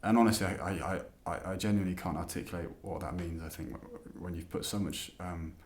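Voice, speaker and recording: Deep-voiced young actor, heartfelt. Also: male voice, fairly even intonation, brisk. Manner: heartfelt, groping for words. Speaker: lead actor.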